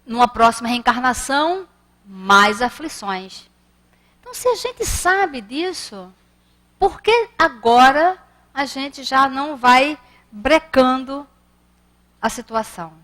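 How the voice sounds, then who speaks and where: A woman's voice: high voice, lively intonation, takes it slowly, fairly bright tone. A middle-aged woman with a Rio de Janeiro accent giving a spiritist lecture, conversational, acting out the children and staff in her stories. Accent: Rio de Janeiro Portuguese.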